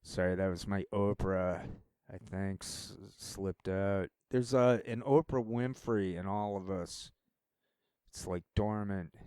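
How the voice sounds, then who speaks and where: A man's voice: low voice, slow, darkish tone, clear, resonant tone, dry recording. A man rambling through a casual solo monologue as a vlogger, wandering from thought to thought. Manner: rambling, meandering talk.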